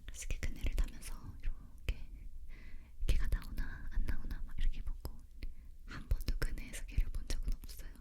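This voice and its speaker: Girl leaning in to whisper an asmr story, all breathy, right up on the mic, no voice at all. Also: brisk. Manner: leaning in to whisper, close and unvoiced. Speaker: ASMR creator telling a personal story. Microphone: close-up microphone.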